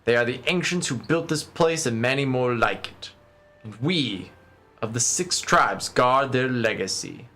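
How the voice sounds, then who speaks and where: Fierce tribal spear hunter played by a man, bright forceful voice, taunting, hammy amateur delivery for a fantasy game. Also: medium pitch, animated, a little slow, faint music behind. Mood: threatening. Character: menacing fierce tribal hunter guarding ruins, grinning with spear.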